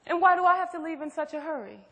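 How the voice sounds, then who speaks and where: A woman's voice: extremely high pitch, racing, pushed and bright, exaggerated voice. A woman acting in a stage play as a protective, outspoken best friend, blunt, probing and emphatic. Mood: firm. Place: theatre stage. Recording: echoey theatre hall.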